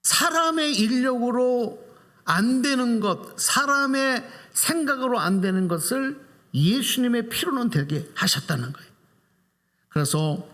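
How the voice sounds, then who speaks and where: A man's voice: high voice, fairly bright tone. A male pastor giving a Sunday sermon in a church sanctuary, preaching with animation and putting questions to the congregation. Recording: reverberant church hall.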